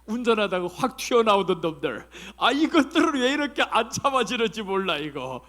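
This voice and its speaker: 교회에서 설교하는 남자 목사로, 크게 외치다가 낮고 조용하게 속삭이듯 말하기를 오가며 열정적으로 설교한다. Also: male voice, a little fast. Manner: animated preaching, swings from loud exclamations to low hushed asides. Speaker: pastor. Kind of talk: sermon. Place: church sanctuary.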